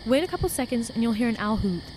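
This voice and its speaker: A high voice gives us a wary, outspoken young woman acted by a woman in an audio drama. She is blunt and slangy, with faint night insects around her. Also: animated, quick pace, noisy background, lightly acted. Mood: keyed up. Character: wary, sharp-eyed, outspoken young woman lost in woods. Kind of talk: audio drama acting, casual dialogue. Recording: faint outdoor night ambience with crickets.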